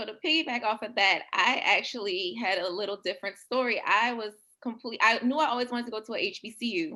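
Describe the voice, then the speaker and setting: A woman in a New Orleans accent, very fast, fairly high-pitched and bright and sharp in tone, with ordinary pitch variation. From New Orleans, Louisiana. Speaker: doctor, former pageant queen. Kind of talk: panel discussion.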